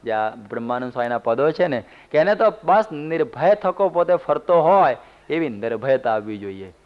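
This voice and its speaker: Male monk, sermon delivery, folksy storyteller, smooth clear tone, muffled lo-fi recording. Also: medium pitch, lively intonation, moderate pace. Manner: storytelling, homely humorous asides. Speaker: monk giving a religious discourse. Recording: dull lo-fi CD recording.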